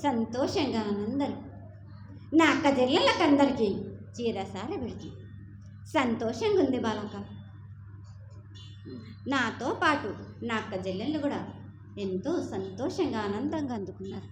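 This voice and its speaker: High-pitched woman oracle in prophetic trance. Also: expressive, normal speed, pauses often, slight background noise. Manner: incantatory, declaiming in short chanted phrases. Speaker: oracle delivering a ritual prophecy as the goddess. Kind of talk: ritual prophetic trance chanting and pronouncement. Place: echoing temple festival ceremony. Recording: echoey sound with music behind.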